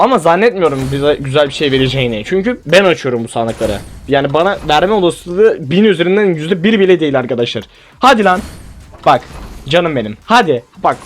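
A young man giving casual, animated gameplay commentary, pleading with and exclaiming at the game as he plays. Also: a little high. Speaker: gaming YouTuber.

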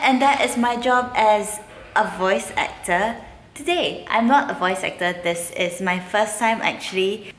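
A woman in her twenties with a Malaysian accent, chatting casually to the camera in an animated way. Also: medium pitch, a little hiss or hum. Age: 20s. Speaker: vlogger. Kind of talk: casual vlog chat. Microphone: camera at arm's length.

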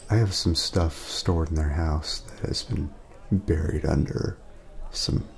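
A man speaking softly in a casual ASMR roleplay, laid-back and friendly, chatting as if to a friend. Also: extremely low pitch, takes it slowly. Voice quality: soft, breathy at times, creaky.

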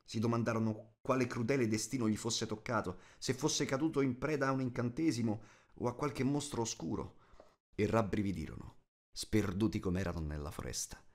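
A man narrating a fantasy storybook as a scripted audiobook reading. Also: lowish voice.

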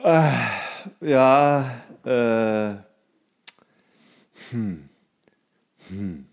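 A man's voice: mid-range voice, expressive, extremely slow, a little mellow, clear, resonant tone. A man chatting casually and wryly as a podcast co-host. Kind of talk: casual chat.

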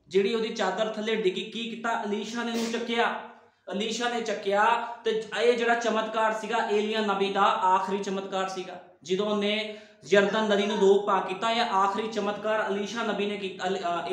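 A man's voice: high voice, fairly bright tone. A pastor, a man, preaching a sermon full of rhetorical questions. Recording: very echoey room.

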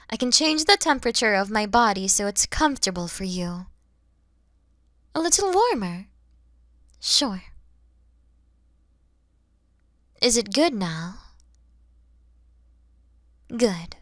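A woman voicing a kind, motherly mature dragon in an ASMR roleplay, speaking softly and breathily with tender, soothing warmth. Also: on the high side, dry recording, clean studio sound. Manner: soft, breathy, soothing, often near-whispered.

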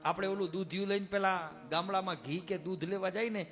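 Man, high voice, homely storytelling preacher at a temple satsang. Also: brisk, fairly bright tone, soft background music. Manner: earnest, homely storytelling with village sayings. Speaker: temple head giving a satsang. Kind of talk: folk storytelling sermon.

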